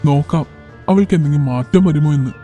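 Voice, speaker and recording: Guy doing forest animal for kids cartoon, simple measured talker, really mellow, little bit of music. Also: a little high, lightly acted. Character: trusting monkey; fair-minded animal king of forest. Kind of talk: children's cartoon voice acting.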